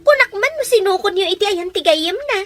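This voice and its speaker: An actress playing a young, concerned younger sibling in a radio drama, with a Filipino Ilocano accent. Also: female voice, very high voice, lively intonation, a little fast, music in the background. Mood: curious.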